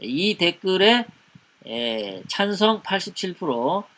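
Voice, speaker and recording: A man's voice: high voice, big pitch swings, takes it slowly, fairly bright tone. A man a hosting a live political commentary show, reading out viewer comments many hesitant fillers.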